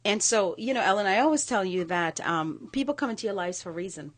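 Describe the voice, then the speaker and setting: A woman's voice: medium pitch, animated, fast talker. Radio host, woman, raised abroad; chatty, long rambling questions. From outside the United States. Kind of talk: radio talk show hosting.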